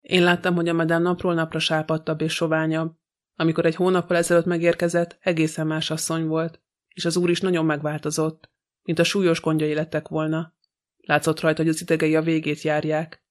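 A man's voice: fairly high pitch, completely flat delivery, lightly acted. A man reading an audiobook, voicing a sly, gossipy old female housekeeper who talks with scorn. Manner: grumbling, scornful.

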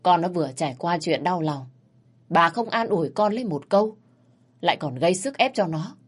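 A woman's voice: on the low side, expressive, normal speed, husky. A woman voicing a stern, fair-minded older father-in-law who speaks firmly and reproachfully. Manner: firm, reproachful. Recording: faint music underneath.

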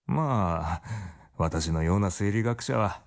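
落ち着いて内省的に語る生理学者を演じる男性俳優。ラジオドラマの芝居。. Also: male voice, sits low, expressive, takes it slowly, vocal fry, full character voice. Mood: reflective. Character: calm older male physiologist, wistful. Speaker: scientist in the story. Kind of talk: radio drama acting.

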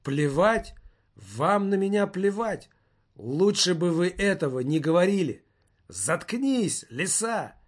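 A man's voice: high voice, very animated, slow, pitched above the performer's own voice, heavily acted. A man doing a whiny, self-pitying director. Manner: whining, moaning, self-pitying. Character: whiny frightened male film festival director.

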